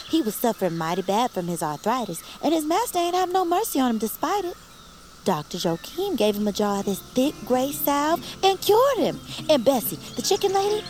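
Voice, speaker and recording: Brief: a cheeky young gossip, high and animated, light noise behind. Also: female voice. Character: young enslaved girl, chatty gossip. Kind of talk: audio drama acting.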